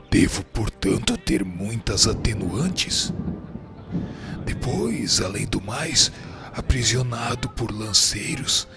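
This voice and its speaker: Radio drama role: proud, aggrieved suicide spirit, theatrical, slow and gravelly, music underneath. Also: male voice, on the low side, sharp tone, exaggerated voice. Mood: indignant lament. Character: tormented, self-justifying suicide spirit, proud Spanish rogue.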